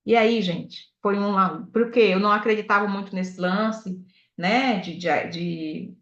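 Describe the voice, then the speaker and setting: A sales director speaks in a mid-range voice at a measured pace while giving a motivational talk. She's animated, drawing on personal stories and addressing pointed questions to her listeners. The recording echoes and sounds dull and lo-fi.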